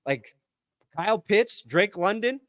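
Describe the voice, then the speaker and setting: High-voiced man ranting about sports. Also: lively intonation, slow, a bit bright, no room sound, studio quality. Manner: ranting, blunt and profane. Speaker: sports show co-host. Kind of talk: casual sports talk and ranting.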